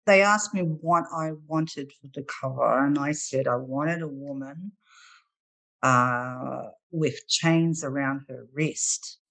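Australian woman, author guest, low voice, bright tone, lively, video call. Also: slow, vocal fry. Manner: lively, exclaims and laughs readily. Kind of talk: casual interview chat.

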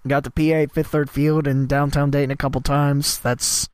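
A man, hosting a solo podcast and rambling casually about announcing gigs, his voice a bit worn from a cough and trailing off quietly at the ends of thoughts. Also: a little high, level tone, normal speed, smooth, no room sound, clean studio sound. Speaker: podcast host and sports announcer.

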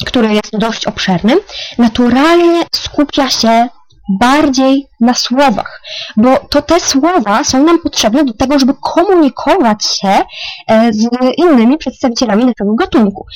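A woman in her thirties hosting a spoken lesson on rhythm for parents, explaining calmly with frequent filler sounds and counting beats softly under her breath. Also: on the high side, no echo, low-quality recording. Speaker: music educator, podcast host.

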